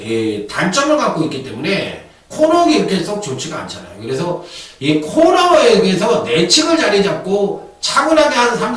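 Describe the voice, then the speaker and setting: A man giving horse racing tips in an animated, chatty commentary style with lively asides. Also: high voice, far from the mic. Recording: echoey room, off-mic.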